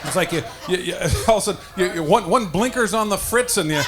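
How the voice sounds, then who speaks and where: A man's voice: sits high, expressive, quick pace, a crowd in the background. A man doing a stand-up set, stammering and repeating words while laughing at his own jokes. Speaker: stand-up comedian.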